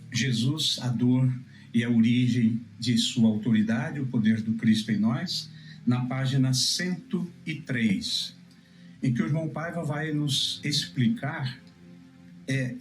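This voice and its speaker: A Brazilian man preaching in a didactic, measured way, expounding scripture with emphasis. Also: medium pitch. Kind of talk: religious teaching, scripture exposition. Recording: roomy echo, music behind.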